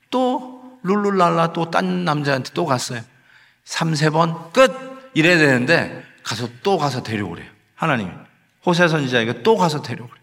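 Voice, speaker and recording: A man's voice: medium pitch, fairly bright tone. A man preaching a sermon as pastor, in a conversational style that slips English phrases into his talk and acts out sighs and scolding. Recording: long hall reverb.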